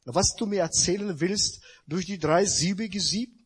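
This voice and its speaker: A preacher putting on a calm old sage, slow and low. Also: male voice, breathy edge, long reverb tail. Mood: patient. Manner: slow, measured and lowered. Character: calm wise old male philosopher, patient teacher.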